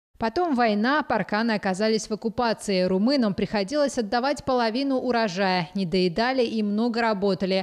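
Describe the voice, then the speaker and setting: Against a quiet background, a woman with a fairly high pitch uses an unremarkable speaking voice, keeping a moderate pace, ordinary pitch variation, hardly any pauses and very even loudness. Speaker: TV news reporter. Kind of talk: TV news report narration.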